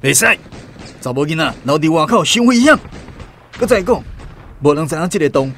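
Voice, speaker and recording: A man's voice: on the high side, very animated, a little fast, fairly bright tone, slight background noise, pitched above the performer's own voice. A man playing a protective tribal chief and father in a radio drama, commanding and urgent, with a Taiwanese accent. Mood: stern, insistent.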